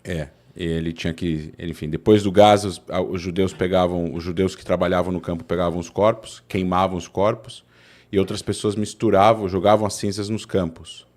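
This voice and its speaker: In an interview conversation, this Brazilian guest from São Paulo, a political scientist, explains at length, often restarting and correcting himself. He has a São Paulo Portuguese accent and a low, slightly mellow voice with little pitch movement at a normal speed.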